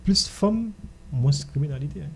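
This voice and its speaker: A man's voice: a little high, animated, moderate pace, gravelly, a little hiss or hum. A man with a Haitian accent talking casually as host of a radio discussion.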